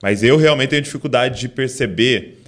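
A man's voice: medium pitch, moderate pace, a bit bright. A Brazilian man hosting a podcast, curious and chatty, often saying "cara". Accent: Brazilian Portuguese. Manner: curious, interjecting, says "cara" a lot. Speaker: podcast host. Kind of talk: podcast interview.

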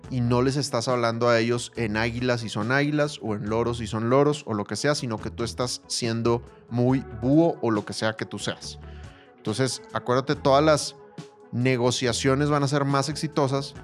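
A man co-hosts a casual advice podcast. He talks in a loose, slangy way, calls the listener compadre, and tells stories as he goes. A soft music bed plays underneath. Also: mid-range voice. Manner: animated storytelling, calls listener brother and compadre. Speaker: podcast co-host.

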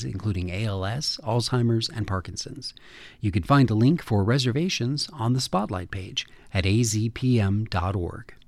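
A male radio host and producer reading announcements and credits in a measured, formal way. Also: lowish voice, dry recording.

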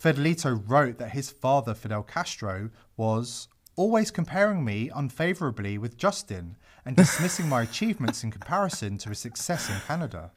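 A man's voice: mid-range voice, big pitch swings, brisk, few pauses. A male podcast host reading scripted commentary with a dramatic delivery and sarcastic asides.

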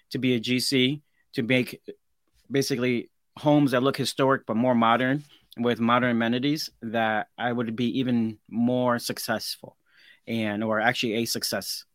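A man's voice: medium pitch, a bit bright, no echo. A man in his forties, a guest craftsman in a casual interview, talking earnestly and reflectively and often restarting his sentences. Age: 40s.

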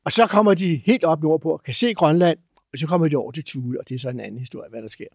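Man, high voice, dry close sound, animated storyteller, lots of hesitations. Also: creaky, no room sound. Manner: halting, many filler sounds; lively, acts out chants and sounds. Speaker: guest explorer.

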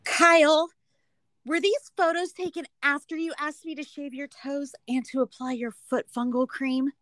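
A woman acts out a young yacht stewardess in a mock dramatic reading. She is theatrical and indignant, with the voice pushed up high and every phrase overwrought. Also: steady tone, normal speed, fairly bright tone, dry recording. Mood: mock indignation.

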